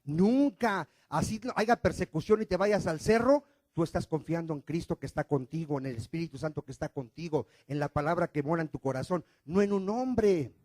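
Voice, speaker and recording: A male pastor, preaching a sermon, firing rhetorical questions at the congregation and swinging between loud emphatic lines and quiet ones. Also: on the high side, fairly quick, hardly any pauses, dry recording.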